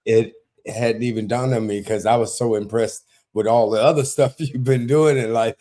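A man's voice: mid-range voice, steady tone, moderate pace, mellow. An older man, a military veteran, telling stories as a podcast guest in a rambling way, full of fillers. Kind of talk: casual podcast interview.

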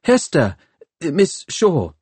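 A man's voice: on the high side, big pitch swings, slow, a little mellow, slightly rough, dry recording, voice pushed up, heavily acted. A man voicing a bewildered, naive and loyal young city man in an audiobook, earnest and pleading. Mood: urgent. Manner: earnest, pleading, wobbly when upset. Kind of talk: audiobook character dialogue.

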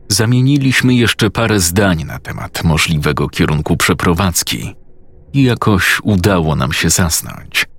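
A man narrating a horror story in the first person with a slow, measured, ominous reading. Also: low-pitched.

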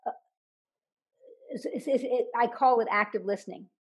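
A woman author guests on an interview show, telling anecdotes with laughter and repeating words as she thinks aloud in storytelling fashion. Her voice is on the high side and slightly rough, at a moderate pace.

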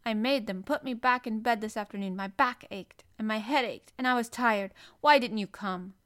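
Lady doing a bossy sulky little sick boy from a storybook, indignant, voice jumps up and gets louder. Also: a little high, normal speed, lightly acted. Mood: sulky, demanding. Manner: petulant, indignant, commanding. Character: sulky, self-pitying, imperious sickly young boy.

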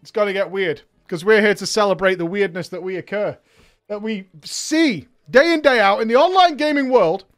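A man hosting a livestream show who reads viewer letters aloud, talking in a loud, hyped way with swearing and rambling asides. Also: high voice, normal speed. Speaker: streamer and show host.

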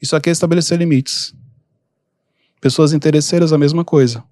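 A man with a Brazilian Portuguese accent hosting a podcast, giving easygoing, calm advice in a casual, explanatory way. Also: on the high side, fairly quick, no echo, studio quality. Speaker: podcast host and mentor.

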